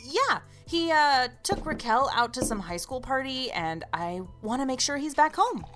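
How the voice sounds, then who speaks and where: A woman playing an excitable, blunt young friend with an emphatic, casual way of talking in an audio drama. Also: high voice, moderate pace, music in the background. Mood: hesitant.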